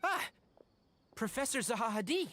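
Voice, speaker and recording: Courteous, lively young scholar. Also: male voice, very high voice, moderate pace, slight background noise, heavily acted. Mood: surprised. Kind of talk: anime-style video game voice acting.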